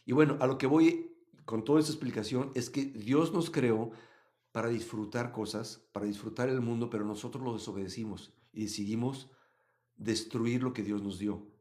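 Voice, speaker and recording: A man from Mexico, teaching a live Bible study and answering chat comments, swinging between loud emphasis and quiet asides. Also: medium pitch, steady tone, moderate pace.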